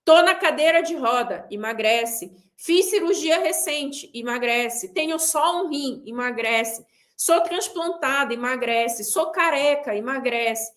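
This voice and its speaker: A woman's voice: sits high, a little slow, fairly bright tone. A woman coaching viewers in an online class, talking straight to them and hammering her points with repeated, clipped replies. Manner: emphatic, repeats a punchline in a clipped drop. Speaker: weight-loss coach hosting a pre-event class. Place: seated indoors.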